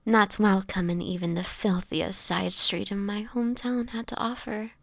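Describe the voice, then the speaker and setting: A woman playing a sickly, homeless vampire in an intimate audio roleplay, speaking softly and haltingly, often in a whisper, with formal old-fashioned wording and gentle melancholy. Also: mid-range voice, steady tone, creaky, no echo. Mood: sorrowful, weary. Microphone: close microphone, dry.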